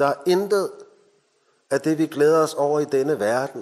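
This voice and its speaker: A man with an unremarkable speaking voice talks at a fairly slow pace, using ordinary pitch variation. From Denmark. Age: 40s. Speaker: preacher. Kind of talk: sermon.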